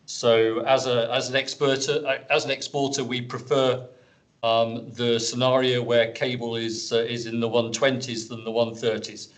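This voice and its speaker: A man speaking as a company executive, giving measured, corporate answers on an earnings call. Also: medium pitch, flat delivery.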